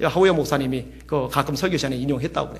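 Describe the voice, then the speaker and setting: Vocal fry runs through a man's very fast speech, with ordinary pitch variation. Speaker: pastor. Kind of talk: sermon. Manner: animated.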